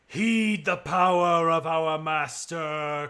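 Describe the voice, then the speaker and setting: Using a put-on character voice, a man speaks high in pitch. His pace is very slow. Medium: actual play. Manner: ritualized, imperious.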